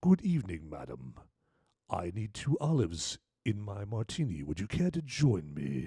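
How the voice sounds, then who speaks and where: Putting on a character voice in a British accent, a man speaks at a fairly low pitch with very wide pitch swings. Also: moderate pace. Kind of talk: polite, formal.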